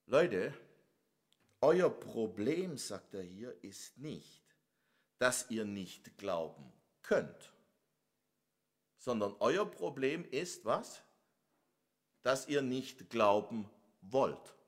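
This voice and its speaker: A man's voice: medium pitch, sing-song, drawn-out words, pauses often. A middle-aged man from the northern Black Forest with a Swabian accent, preaching a sermon. He speaks emphatically and asks his listeners rhetorical questions. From Germany, northern Black Forest.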